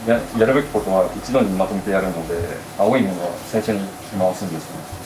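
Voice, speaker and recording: A man's voice: low-pitched, fast talker. A man, a sushi chef, politely explaining his kitchen work in a matter-of-fact way while he works. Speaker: sushi restaurant owner-chef. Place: restaurant kitchen during prep. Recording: roomy kitchen, distant mic, clear working noise.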